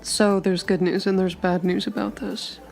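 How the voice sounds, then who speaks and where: A woman playing a down-on-his-luck male private investigator in a tabletop game, hushed, halting, defensive and evasive. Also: mid-range voice, little pitch movement, vocal fry, soft background music, natural voice. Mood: urgent.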